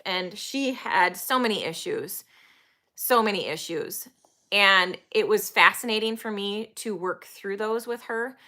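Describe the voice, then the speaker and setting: A woman's voice: mid-range voice, bright, forceful tone. A woman in her forties, chatting casually to camera about her animals, rambling and enthusiastic with plenty of ums. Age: 40s. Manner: enthusiastic, emphatic. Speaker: horse trainer and channel host. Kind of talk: casual vlog talk to camera.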